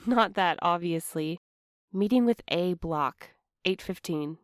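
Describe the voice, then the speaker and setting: A woman acting an anxious, earnest young woman in an audio drama, speaking in an expressive, conversational way. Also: lowish voice, slow, no echo, clean studio sound. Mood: sly, hurried. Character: Clementine, anxious, earnest young woman snooping on her date.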